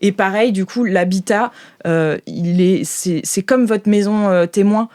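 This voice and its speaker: A woman's voice: mid-range voice, measured pace, darkish tone, no echo, studio quality. A woman improvising tabletop game narration as game master, informal and searching for words.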